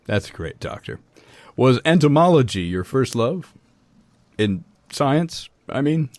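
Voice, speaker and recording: An actor playing a male radio reporter who is smooth on air but awkward in private. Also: mid-range voice, very animated, takes it slowly, darkish tone, no room sound.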